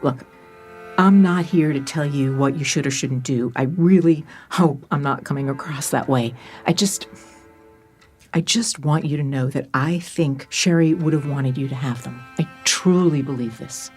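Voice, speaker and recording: A woman's voice: sits low, a little mellow. Earnest middle-aged woman, music behind. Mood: earnest, reassuring. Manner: earnest, measured, careful not to push. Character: earnest, careful old friend entrusting keepsake tapes. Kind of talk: naturalistic audio drama acting.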